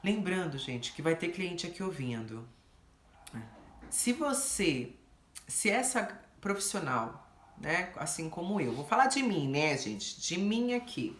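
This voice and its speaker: A woman with a Brazilian Portuguese accent, giving casual advice as a host in an animated, chatty way and acting out quick bits of what clients say. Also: on the low side, reverberant, slight background noise.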